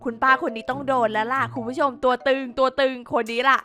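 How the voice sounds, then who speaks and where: A woman's voice: high voice, steady tone, quick pace, pushed and bright. A woman giving playful game commentary, theatrically scolding characters and talking to her viewers. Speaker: gaming YouTuber. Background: background music.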